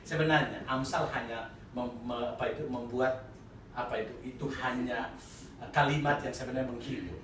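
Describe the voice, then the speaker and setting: A male pastor giving a sermon, animated and joking with the congregation, at times laughing loudly. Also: mid-range voice, moderate pace. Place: church chapel. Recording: echoey church hall, mic at a distance, noisy.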